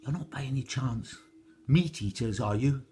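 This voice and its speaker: A man's voice: medium pitch, soft background music, pitched above the performer's own voice, natural voice. A man doing a sly, cautious young ash boy. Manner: quick, hushed.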